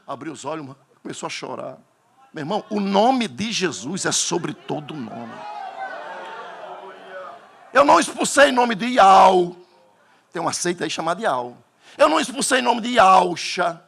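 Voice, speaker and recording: A man with a Northeastern Brazilian accent preaching a sermon as pastor, animated and breaking into shouts. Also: a little high, moderate pace, creaky, slightly rough.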